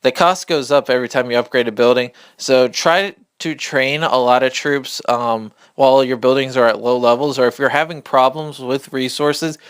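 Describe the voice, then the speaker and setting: A man giving a casual, off-the-cuff game tutorial, speaking quietly but clearly, close to a phone mic. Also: medium pitch, steady tone, normal speed, few pauses, dry recording. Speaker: gamer hosting a beginner's tutorial. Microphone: phone held a couple of inches from the mouth.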